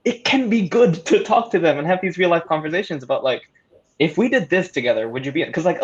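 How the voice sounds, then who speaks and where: An audio drama creator on a panel talks casually in a fairly high voice, hesitant and thoughtful as he searches for words. The sound is lo-fi.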